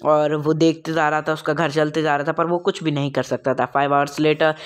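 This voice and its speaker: Male teacher, slightly high voice, slow and chatty, explains a lesson line by line with lots of fillers. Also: level tone, clean tone. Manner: reads English lines slowly, then explains them in Hindi; casual asides with many fillers. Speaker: English teacher. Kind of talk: explaining a textbook chapter.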